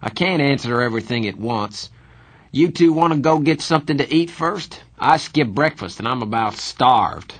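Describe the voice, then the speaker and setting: A man voicing a tough, sardonic young male street hood in an audiobook, rough and blunt, with slangy teasing talk. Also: mid-range voice, lively intonation, moderate pace, voice pushed up, close to an everyday voice. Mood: teasing, brash. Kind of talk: audiobook character dialogue.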